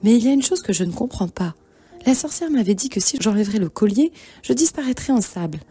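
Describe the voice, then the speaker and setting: A naive young mermaid, acted by a woman, earnest and pleading in a cartoon fairy tale. The voice lifts higher in puzzlement, with music behind it. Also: animated, fast talker, warm tone, slightly rough. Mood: puzzled.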